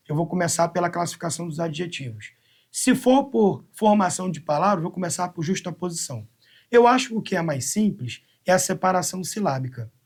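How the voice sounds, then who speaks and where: A man with a fairly high voice and a Brazilian Portuguese accent teaches a live exam-prep class. He works through each question step by step and counts syllables out slowly, one by one. He speaks close to the mic.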